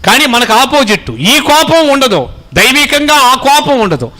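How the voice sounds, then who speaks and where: High, bright-voiced preaching man. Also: sing-song, unhurried. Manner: exhorting congregation to repeat phrases; fatherly, calls listeners children. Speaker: pastor. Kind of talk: sermon.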